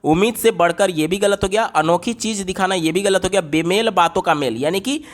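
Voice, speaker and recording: A man working through exam questions one by one, explaining each option step by step in a steady teaching voice. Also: sits high, brisk. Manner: explains step by step, often repeating "ye galat ho gaya". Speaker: exam tutor. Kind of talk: exam paper walkthrough.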